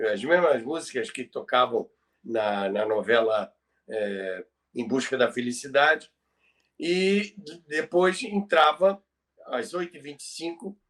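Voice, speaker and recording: A man's voice: a little high, fairly bright tone. A Brazilian man presenting in an informal lecture style, explaining didactically and repeating phrases for emphasis. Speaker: presenter explaining radio history.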